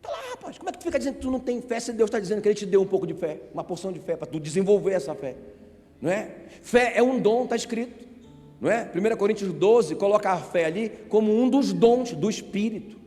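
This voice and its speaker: A man preaching a sermon as pastor, emphatic, asking the congregation rhetorical questions and calling on them to shout back. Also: sits high, expressive, fast, faint music behind. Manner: asks the crowd rhetorical questions. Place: church sanctuary. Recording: reverberant church hall.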